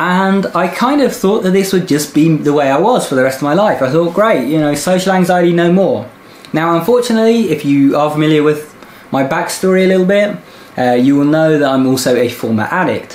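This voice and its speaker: Someone with an English accent talks at a fairly quick pace. Background noise is noticeable. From England. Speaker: YouTuber sharing personal experience. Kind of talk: personal vlog monologue. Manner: casual, conversational with fillers.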